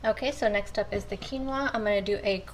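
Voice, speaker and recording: In a very noisy recording, a chatty woman speaks fast in a mid-range voice while cooking at home. As a cooking vlogger, she explains each step casually and keeps addressing her audience as "you guys."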